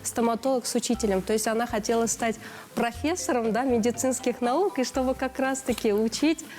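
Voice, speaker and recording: A woman's voice: a little high, brisk, a little mellow. A woman speaking as a guest mother on a children's show, explaining things in casual conversation.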